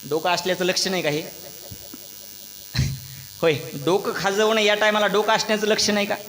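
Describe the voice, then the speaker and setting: Guy preaching a kirtan, bright sharp voice, acts out the story, big echoey hall. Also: high-pitched, normal speed. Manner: animated storyteller, acts out characters, questions the audience. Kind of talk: devotional kirtan storytelling sermon. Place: large echoey hall at a religious gathering. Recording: echoey hall with long reverb.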